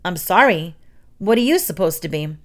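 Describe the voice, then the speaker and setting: A woman's voice: fairly low pitch, lively intonation, normal speed, a bit bright. A woman voicing a blunt, casual adult woman playing a Halloween witch in a storybook, dry and teasing. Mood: unimpressed.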